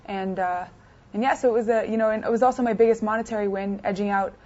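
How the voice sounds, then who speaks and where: A woman's voice: mid-range voice, fairly even intonation, fast, darkish tone. A young woman in her twenties, raised in the United States and France, answering interview questions in a chatty way with many fillers and restarts. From United States, partly raised in France. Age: 20s. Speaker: interview guest, poker player. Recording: dull lo-fi sound.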